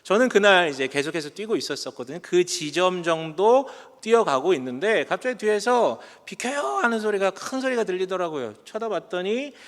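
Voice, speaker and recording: A man's voice: high-pitched, lively intonation, brisk, hardly any pauses, a bit bright. A man in his forties, a pastor giving a chatty, self-deprecating sermon and telling stories with humor. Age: 40s. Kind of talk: conversational sermon. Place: church sanctuary. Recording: long hall reverb from a church sanctuary.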